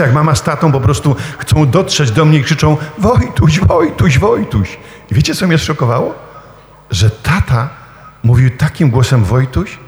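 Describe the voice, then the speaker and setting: A man preaching a sermon in a lively storytelling manner, with rhetorical questions and touches of humor. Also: medium pitch, roomy sound, long reverb tail. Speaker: priest preaching.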